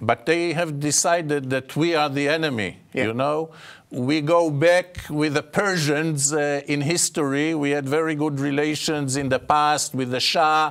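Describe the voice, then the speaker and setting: A man with an Israeli accent, fairly slow yet with hardly any pauses, fairly even in intonation, against a quiet background. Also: fairly high pitch for a man. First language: Hebrew. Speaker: ambassador; interview guest. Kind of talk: interview. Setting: studio. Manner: halting, many filler sounds. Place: studio. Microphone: lapel.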